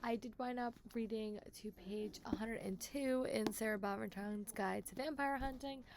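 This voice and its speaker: A woman's voice: fairly high pitch, moderate pace, noisy background. A woman book vlogger with a stuffy cold, chatting casually and repeating words with lots of fillers. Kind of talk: casual chat to camera.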